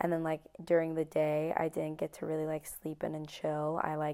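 A woman speaks in a very deep, low voice with monotone, flat intonation. The recording is very clean, with a silent background. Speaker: podcast host, college student. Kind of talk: casual solo podcast monologue.

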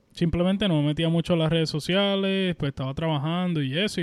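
With fairly even intonation, a man talks in an ordinary speaking voice that sits fairly high. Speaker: podcast co-host. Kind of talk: casual chat.

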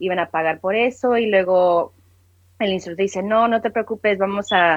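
This woman has a medium-pitched voice with ordinary pitch variation and an English accent. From California, US. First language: English (speaking Spanish). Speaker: professional golfer. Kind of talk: interview.

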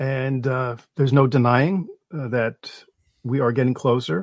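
A somewhat breathy man at a medium pitch. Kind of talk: live online Bible discussion. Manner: warm, enthusiastic.

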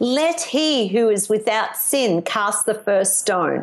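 Speaking very slowly, a woman has an Australian accent and fairly high pitch. Her intonation is lively. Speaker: podcast host and voice educator. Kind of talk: interview conversation.

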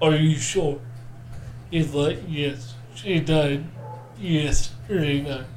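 A man with an American accent and a fairly high pitch speaks at a very slow pace with fairly even intonation and long, frequent pauses over noticeable background noise. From central Texas. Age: 20s. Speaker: oil field worker. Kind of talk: testimony.

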